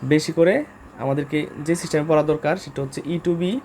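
A man's voice: fairly high pitch, normal speed, a little mellow, a little hiss or hum. A man with a Bangladeshi accent giving a casual vocabulary lesson, talking informally with frequent filler sounds and spelling words out letter by letter. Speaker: English vocabulary teacher.

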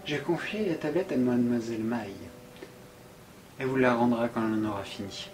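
A man's voice: medium pitch, lively intonation, brisk, noisy background, lightly acted. A man playing a coldly manipulative supervillain boss in a fan film drama. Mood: composed, calculating. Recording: echoey room with music bed.

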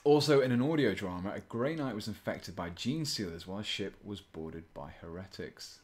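A male streamer paints at his desk during a casual live stream, chatting in a relaxed way, chuckling often and reading chat aloud. His voice is deep, low, even and fairly monotone, at a moderate pace.

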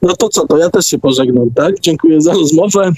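A man's voice: on the high side, brisk, darkish tone, slightly rough, no room sound. A man, a listener calling in to a radio show and debating casually.

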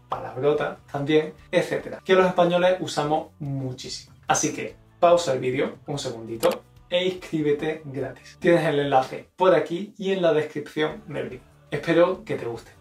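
A man's voice: fairly high pitch, vocal fry, darkish tone, roomy sound, distant mic. A man from Spain with a Spanish accent, explaining expressions in a video lesson and carefully modeling intonation. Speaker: Spanish teacher.

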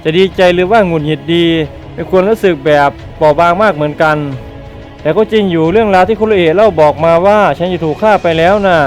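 A man's voice: high-pitched, brisk, faint music behind, lightly acted. A man reading a web novel aloud, voicing a wry, easygoing male slime demon lord who muses and pokes fun at himself. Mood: musing. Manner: musing, self-mocking inner talk.

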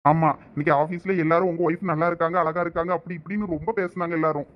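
A man's voice: on the high side, steady tone, very fast, lo-fi sound, natural voice. A man acting as a caring young husband in a village comedy-drama, coaxing and teasing his wife affectionately. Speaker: actor in a village family skit.

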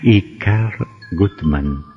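A man narrating a radio drama in a measured, suspenseful way. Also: deep voice. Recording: dull lo-fi audio with faint music.

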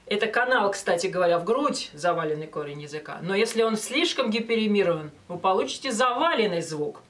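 A woman's voice: medium pitch, animated, fairly quick, a bit bright. Female vocal coach, slightly distant mic. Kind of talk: instructional talk with short sung demonstrations. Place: small indoor studio with banner backdrop.

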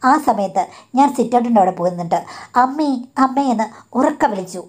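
A woman's voice: mid-range voice, a little mellow. A woman narrating her own life story in a confiding, indignant tone, often addressing her listener as madam.

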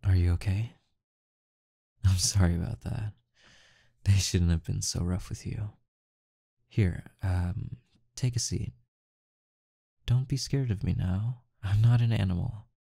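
A man playing a calm, intimidating, teasing mafia boss in an ASMR roleplay, with a menacing yet softly coaxing delivery and deliberate pauses. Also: sits low, gravelly, slightly rough, no room sound, studio quality, full character voice. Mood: gentle, apologetic.

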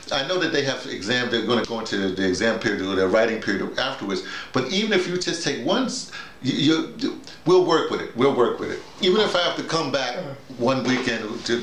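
A middle-aged or older man talking casually and emphatically to colleagues like a teacher, often halting and repeating his words over and over. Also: mid-range voice, a bit bright. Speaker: workshop leader and radio drama teacher. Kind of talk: casual informal explanation to colleagues. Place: small indoor room with bare walls, seated. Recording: roomy, echoing small room.

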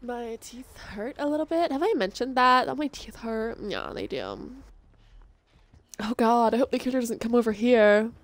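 A woman's voice: on the high side, big pitch swings, moderate pace. Jumpy, swearing woman gamer. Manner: jumpy, swears often, laughs a lot. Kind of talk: casual gameplay commentary.

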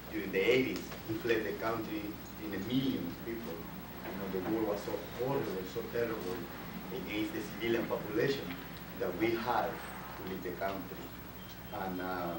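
A middle-aged man from El Salvador speaking to a college class as guest speaker, halting and repeating words, taped by a far camera. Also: low-pitched. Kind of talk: classroom talk. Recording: echoey room, from far off, hissy.

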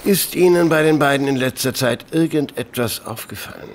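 An actor playing a grave, methodical police detective in an audio drama, speaking deliberately with dry irony and pauses. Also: male voice, medium pitch, slight background noise, lightly acted. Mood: probing. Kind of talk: German radio play dialogue.

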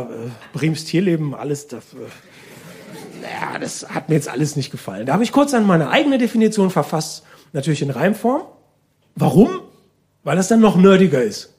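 High-voiced man doing stage comedy. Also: warm tone, husky. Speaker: stand-up comedian and slam poet. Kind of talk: live comedy monologue with rhymed verse. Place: live stage before an audience. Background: audience laughter.

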